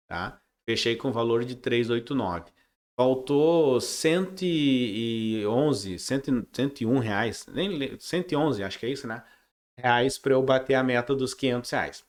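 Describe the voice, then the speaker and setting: A man in an easygoing vlog, explaining his trading results in a mid-pitched voice. He restarts and repeats words as he goes. He often ends his points with a quick tag question. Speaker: day trader sharing his results.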